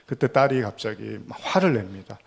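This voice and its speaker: A man's voice: on the low side, lively intonation, gravelly. A man preaching as a pastor, telling a story with quoted dialogue and putting questions to his congregation. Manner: slows down for scripture reading. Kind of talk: sermon.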